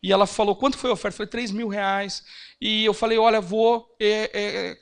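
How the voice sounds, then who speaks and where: A man's voice: high-pitched, moderate pace, gravelly, clear, resonant tone. A Brazilian man giving a church finance seminar, telling a personal testimony and acting out the dialogue. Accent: Brazilian Portuguese. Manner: animated storytelling, acts out quoted dialogue.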